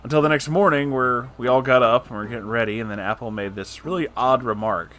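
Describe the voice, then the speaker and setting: A man hosting a story-reading channel, reading online posts aloud and adding animated, casual, joking asides. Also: mid-range voice, fast, soft background music. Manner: animated, jokey, informal asides.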